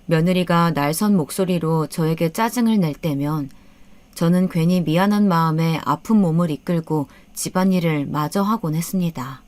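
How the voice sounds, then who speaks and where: A woman's voice: on the low side, darkish tone, no room sound. A woman narrating a first-person story as an aggrieved older mother, in a subdued, rueful manner.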